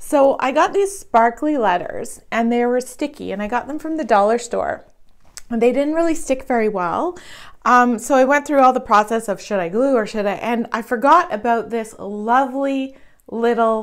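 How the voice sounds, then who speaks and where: High-pitched woman with lively intonation at a moderate pace, quiet background. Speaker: runner vlogger. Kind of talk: casual vlog chat. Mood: upbeat, playful. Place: home room. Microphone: phone near.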